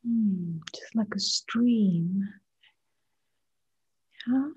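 A woman meditation teacher guiding a practice in a soft, hushed voice that often nears a whisper, with short unhurried phrases. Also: mid-range voice, slightly rough, lo-fi sound. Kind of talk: guided meditation, slow and gentle with long pauses.

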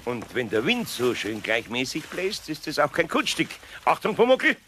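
A man playing an older, good-natured, grumbling master carpenter with a Bavarian accent and a raspy voice, in a children's radio play. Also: fairly high pitch, wildly swooping pitch, normal speed, bright, forceful tone, a little hiss or hum, heavily acted. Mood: reassuring.

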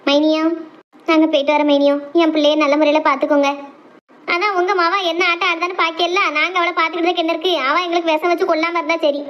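A very high, fast-talking woman with a village scolds her way through a cartoon family quarrel. The sound is dull and lo-fi. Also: level tone. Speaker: narrator and voice of several cartoon characters. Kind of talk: Tamil cartoon voice acting, village dialect.

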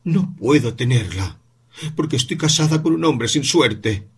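In this storybook, a weary mother answers her child slowly, her words heavy with bitterness, as a man puts her on. The voice sits a little above a man's usual pitch and carries a breathy, husky edge. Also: lively intonation, full character voice. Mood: resentful. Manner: slow, bitter, measured replies. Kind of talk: audiobook character reading.

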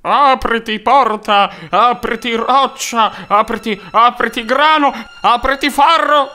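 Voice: mid-range voice, takes it slowly, bright, forceful tone. An actor voicing a greedy, scheming brother who makes demands in a cartoon fairy tale. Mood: desperate.

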